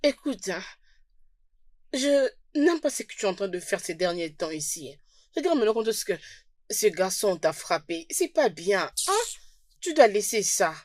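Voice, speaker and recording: A woman dubbing a soft, hesitant young woman. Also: mid-range voice, very animated, normal speed, no echo. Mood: scolding. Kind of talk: French dub of a film.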